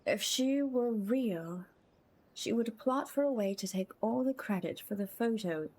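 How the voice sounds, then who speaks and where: A woman's voice: a little high, animated, measured pace, a little mellow, a little hiss or hum. A woman live-streaming a game in a playful, chatty way, welcoming her viewers as she plays. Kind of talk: casual chat while playing. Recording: game music behind the voice. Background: game music.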